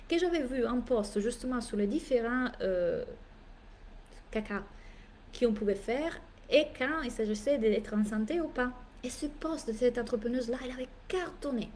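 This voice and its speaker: On the high side, a woman's animated, playful voice carries a live masterclass in French, her second language, as a business coach. She is emphatic, repeats phrases for effect and throws in theatrical asides, with slight background noise.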